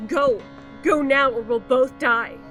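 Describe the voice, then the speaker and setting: A woman's voice: high voice, slow, a bit bright, faint music behind. An actress playing a blunt, wounded female spy, desperate and self-sacrificing, in an audio drama.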